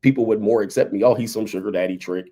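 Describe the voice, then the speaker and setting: A man's voice: on the low side, fairly even intonation, quick pace, mellow. A man in his fifties giving casual, emphatic commentary on dating and relationships, often tagging his points with "right?" and "okay". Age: 50s.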